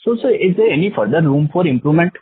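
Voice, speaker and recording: A man, an analyst asking halting questions on an earnings call. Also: fairly high pitch, lively intonation, breathy edge, dry recording. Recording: dry phone-line conference call audio.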